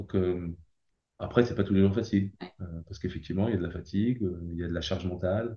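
Very deep and low, a man's voice moves at a very fast pace with a dark, mellow tone. He sounds somewhat breathy, and his intonation stays fairly even. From Paris, France. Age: 40s. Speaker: coach and entrepreneur. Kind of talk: podcast interview. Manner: halting.

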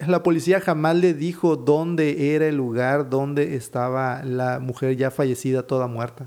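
Here is a man with an unremarkable speaking voice and a fairly high pitch. He keeps a moderate pace with fairly even intonation and hardly any pauses. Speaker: podcast host. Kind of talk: casual chat.

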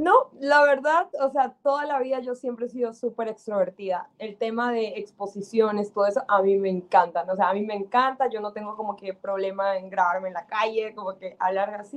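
Speaking at a fairly quick pace, a woman has a fairly high pitch and a slight Colombian accent. Her loudness swings widely, while her pitch varies in an ordinary way. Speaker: clothing designer and entrepreneur. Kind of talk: interview.

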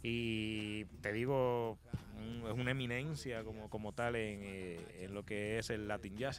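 A man speaks at a very slow pace with fairly even intonation. His pitch is fairly low, and a room echo can be heard. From Dominican Republic and Puerto Rico. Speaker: rapper, band MC. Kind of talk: casual chat. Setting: studio, video recorded.

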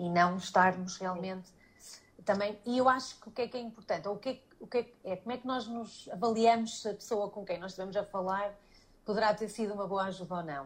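Speaking at a very fast pace, a woman with a medium-pitched voice shows big swings in loudness. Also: ordinary pitch variation. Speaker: psychologist and family therapist. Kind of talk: conversational interview. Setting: Instagram live video call.

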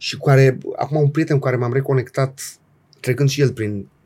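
A man is speaking. His voice is somewhat breathy with a dark, mellow tone. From Romania. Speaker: actor. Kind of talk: casual chat.

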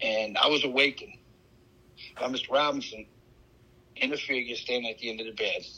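A man speaks in a Louisiana accent with noticeable background noise behind him. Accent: Cajun Louisiana. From Louisiana bayou country. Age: 50s. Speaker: guest sharing paranormal experiences. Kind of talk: casual chat.

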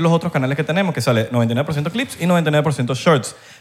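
With a Venezuelan accent, a man speaks in an animated tone at a moderate pace. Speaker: podcast host. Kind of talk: casual chat. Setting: studio.

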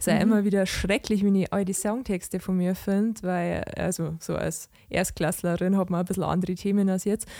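A woman speaks at medium pitch with a dark, mellow tone and hardly any pauses. Her loudness stays very even and her intonation monotone and flat. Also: fairly quick pace. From Bavaria. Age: 20s. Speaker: musician. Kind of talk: casual chat. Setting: video call.

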